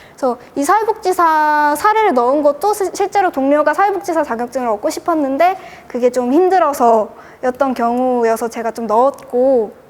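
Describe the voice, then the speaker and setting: Against noticeable background noise, a woman talks at a moderate pace with hardly any pauses. Her high pitch moves in very wide swings. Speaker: activist. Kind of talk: lecture. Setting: forum with online livestream.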